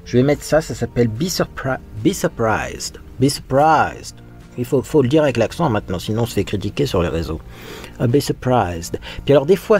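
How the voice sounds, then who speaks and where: A man with a mellow, medium-pitched voice talks through putting on his makeup. As a vlogger doing a casual get-ready-with-me, he's frank and chatty and often thinks aloud.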